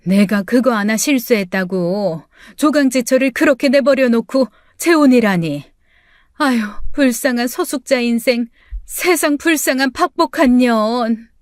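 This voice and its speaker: A woman's voice: a little high, expressive, a little slow, no echo, clean studio sound. A woman voicing a bitter, self-pitying middle-aged mother who scolds shrilly and snaps back sharply.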